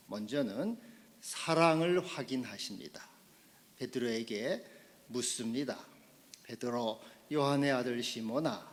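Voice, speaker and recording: A man pastor delivering a Sunday sermon, asking the congregation questions and building to loud, emphatic climaxes. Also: mid-range voice, in a large hall. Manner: asks the congregation questions directly.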